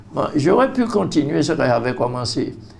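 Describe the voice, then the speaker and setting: The man talks at a moderate pace with lively intonation. Room echo can be heard. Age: 80s+. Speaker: fisheries expert. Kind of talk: TV interview. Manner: halting.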